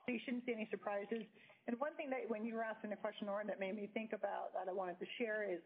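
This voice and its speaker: A woman's voice: medium pitch, steady tone, fast, husky. A woman speaking as a company executive, answering questions on a business conference call over the phone. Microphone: telephone conference call. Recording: tinny phone line.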